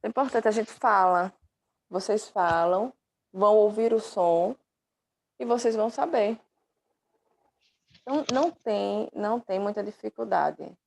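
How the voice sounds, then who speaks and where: A woman's voice: mid-range voice, measured pace, vocal fry, long pauses, slight background noise. A woman teaching an online class through her laptop microphone, patiently explaining step by step and affectionately calling her students dear.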